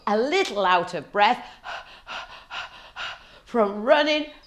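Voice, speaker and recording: Slow, animated woman storyteller. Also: a little high. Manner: dramatic, deliberate. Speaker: children's storyteller. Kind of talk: expressive fairy-tale narration. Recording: echoey room.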